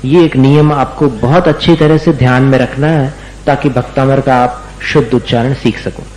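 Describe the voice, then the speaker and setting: With a steady, darkish, mid-range voice, a religious teacher instructs on recitation, drawing out each word and repeating it slowly for his students to mimic. The room echoes, there is slight background noise, and the audio is poor.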